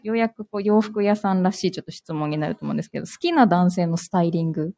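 A woman's voice: lowish voice, lively intonation, fast, gravelly, warm tone, no room sound. Woman host from hiroshima, hiroshima accent, polite chatty radio talk, laughs a lot, dry close sound. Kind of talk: casual live radio chat.

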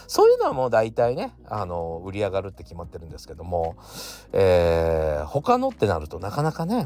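A man's voice: deep voice, a little mellow. A man from the area, hosting a casual solo talk podcast, chatty, full of fillers and little chuckles. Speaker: podcast host.

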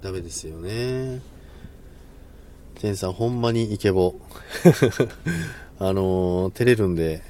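A man's voice: low-pitched, lively intonation, takes it slowly, long pauses, warm tone, slight background noise. A man hosting a casual live stream, polite and self-deprecating, laughing often and stumbling over words.

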